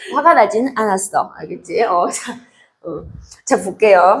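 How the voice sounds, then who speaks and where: A woman is speaking. Her pitch swings very widely. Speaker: Korean literature teacher. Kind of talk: lecture. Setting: recorded class video with assistant present. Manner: fast.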